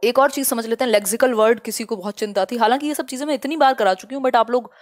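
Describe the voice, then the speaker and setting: A young woman teaching English pedagogy in a live online class, mixing Hindi and English. She checks often whether her students follow and reads definitions out slowly. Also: a little high.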